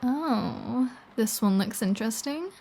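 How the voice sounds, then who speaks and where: A woman acts out a playful, dangerous vampire woman in an intimate ASMR audio drama. Her voice sits a little high and she speaks very unhurriedly. She is flirty and sardonic, teasing her listener with an undercurrent of threat. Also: lively intonation, slow, dark tone, a little hiss or hum. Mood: teasing, nosy. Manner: teasing, sardonic, lingering delivery. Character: flirty, playful, threatening adult female vampire toying with a hunter. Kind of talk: scripted ASMR audio roleplay, one-sided conversation.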